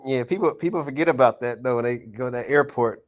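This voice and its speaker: A man's voice: medium pitch, quick pace. A man in casual podcast chat, laid-back and agreeable, speaking loosely with slang. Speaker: podcast panelist.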